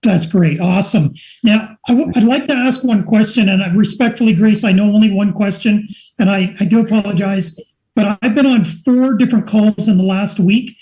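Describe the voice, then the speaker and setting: Earnest woman with a mellow voice. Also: medium pitch, moderate pace. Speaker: call participant. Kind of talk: casual video call. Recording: muffled online call audio.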